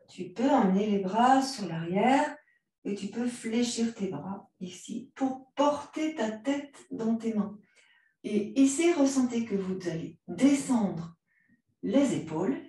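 A woman guiding a yoga class, giving calm, unhurried cues timed to the breath. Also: fairly high pitch. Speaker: yoga teacher. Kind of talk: guided yoga class instruction. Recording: very echoey room, mic far off.

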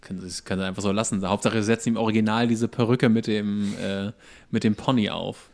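A man co-hosting a podcast, making dry, deadpan quips in casual chat. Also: fairly low pitch, quick pace. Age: 40s. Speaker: podcast co-host.

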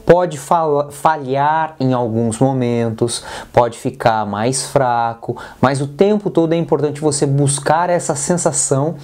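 A man's voice: mid-range voice, darkish tone. A man with a Brazilian Portuguese accent teaching a singing lesson, coaching in a direct, playful way and demonstrating sounds. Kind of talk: vocal lesson with exercises.

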